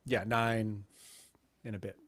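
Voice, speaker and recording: A man's voice: lowish voice, little pitch movement, slow pace, fairly bright tone, dry recording. A man in his late forties, a guitarist chatting casually on a live stream, joking and self-mocking. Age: 40s. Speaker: guest guitarist. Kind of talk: casual chat.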